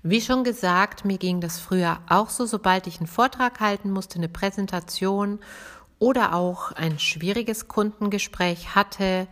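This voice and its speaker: A woman's voice: mid-range voice, measured pace, fairly bright tone. A woman voice coach hosting a podcast, speaking directly and encouragingly to the listener.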